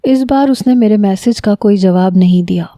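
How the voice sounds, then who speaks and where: Warm-voiced woman narrating a story. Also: mid-range voice, dry recording, clean studio sound. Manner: emotional, confiding. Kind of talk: first-person story narration.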